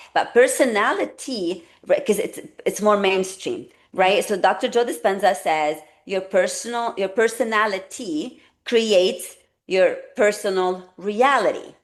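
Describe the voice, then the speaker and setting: A fairly slow, animated voice with a non-native accent. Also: woman, fairly high pitch for a woman, ordinary pitch variation. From immigrant, came to the country at seventeen. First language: not English. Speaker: podcast co-host, speech language pathologist and coach. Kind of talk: casual chat.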